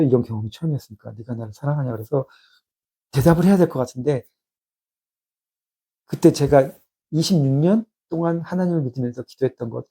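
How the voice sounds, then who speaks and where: A man in his fifties giving a personal spiritual testimony, reflective and halting with many restarts. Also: on the high side, vocal fry, mellow, husky.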